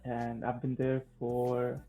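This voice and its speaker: A man in his twenties from Romania with a Romanian accent, answering interview questions conversationally in a halting way, often repeating words. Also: medium pitch, monotone, mellow, soft background music. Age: 20s. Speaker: guest, vocal coach and singer-songwriter. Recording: thin phone-like line.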